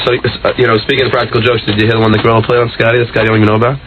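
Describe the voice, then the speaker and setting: A man's voice: medium pitch, level tone, racing. A man on a radio show casually telling stories, stammering and repeating words as he goes. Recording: dull radio tape, noisy background.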